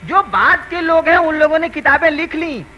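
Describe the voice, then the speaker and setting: A man's voice: very high voice, normal speed, dull audio, slight background noise. An older man giving a spiritual discourse as a teacher, telling stories in a conversational, earnest and emphatic way.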